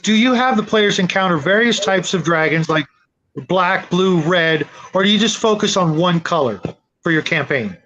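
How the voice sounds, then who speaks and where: Male panel host, noticeably high voice, casual and explanatory, slightly dull low-fidelity sound. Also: expressive, normal speed, a bit bright, a little hiss or hum. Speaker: host of a tabletop gaming panel. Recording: dull lo-fi audio.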